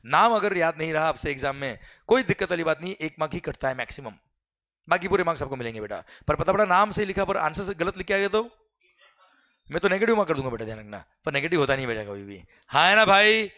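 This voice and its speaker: Give me a high, bright-voiced Indian male teacher lecturing lively students. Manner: addresses students as beta, keeps asking "clear?"; reads English questions out slowly.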